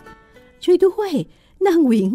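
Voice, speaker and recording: Hoarse old housekeeper lady, fussy and jumpy, voice pitched up, a woman doing her from a horror book. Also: big pitch swings, normal speed, mellow, no echo, soft background music. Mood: terrified. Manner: shrieking for help in panic. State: hoarse from a cold. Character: old female housekeeper, fussy and easily frightened. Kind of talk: reading a horror novel aloud.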